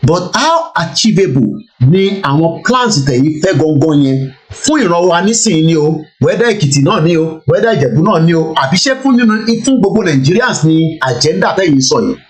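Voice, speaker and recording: A man's voice: on the high side, expressive, fairly quick, few pauses. A man hosting an online talk show, asking guests pointed questions in a conversational way and mixing Yoruba and English. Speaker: host.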